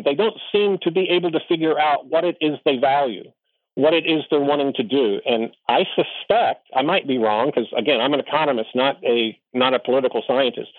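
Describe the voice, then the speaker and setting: A man's voice: a little high, dry recording. Emphatic man on a tinny phone line. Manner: emphatic, lecturing, with many fillers and restarts. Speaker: economist guest. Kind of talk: opinionated political commentary.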